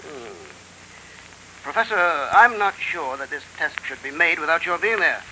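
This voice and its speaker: An actor playing a brusque, impatient army general in a 1930s radio drama. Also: male voice, a little high, expressive, unhurried, pushed and bright, exaggerated voice, poor audio. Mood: gruff. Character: blustering older male army general. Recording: old radio broadcast, faint hiss.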